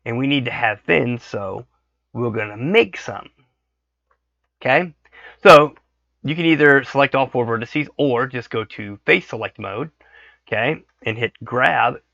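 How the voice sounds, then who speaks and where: Hoarse man with a gravelly voice. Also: mid-range voice, unhurried, pauses often, bright, forceful tone, no room sound. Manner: thinks aloud, frequent "okay" checks. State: hoarse from a cold. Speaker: 3D modeling tutorial host. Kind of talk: casual screen-recorded tutorial. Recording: dry, dull lo-fi mic.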